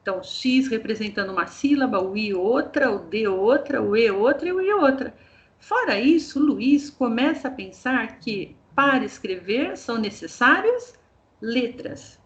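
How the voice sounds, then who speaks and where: A Brazilian woman, a teacher trainer, walks a group through an online training session with patient, step-by-step explanations. Her voice sits a little on the high side. The sound is muffled and lo-fi, like audio from a video call. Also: animated, moderate pace.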